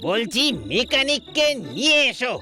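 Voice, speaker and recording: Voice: mid-range voice, expressive, moderate pace, close to an everyday voice. An actor voicing a blustering cartoon bandit chief who scolds and pompously drops broken English phrases. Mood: pompous, exasperated. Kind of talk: cartoon voice acting. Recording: loud music behind the voice. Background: loud cartoon music.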